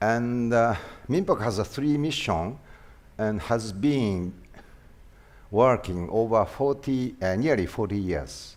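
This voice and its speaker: A medium-pitched man's voice with a Japanese accent, very slow and full of long, frequent pauses, with lively intonation. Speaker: museum researcher, professor. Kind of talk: lecture. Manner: halting.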